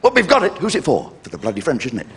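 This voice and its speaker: Older comedian, lively cheeky delivery. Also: male voice, very fast, vocal fry, very noisy. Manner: brash, cheeky punchline delivery with sudden pitch jumps. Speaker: stand-up comedian. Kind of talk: live stand-up routine. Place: live venue with audience laughter.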